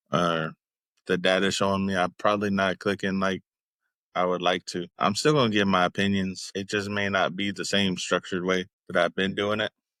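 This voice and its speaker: In a Texan accent, a man speaks fairly quickly with a very deep, low pitch, a bright, sharp tone and monotone, flat intonation, recorded dry and close with no echo, very clean, over a silent background. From Texas, San Antonio. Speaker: podcast host. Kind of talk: casual monologue.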